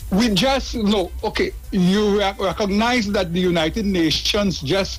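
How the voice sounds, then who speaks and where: A fairly slow delivery over music in the background. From Trinidad and Tobago, Paramin. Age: 60s. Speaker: radio caller. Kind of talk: call-in talk.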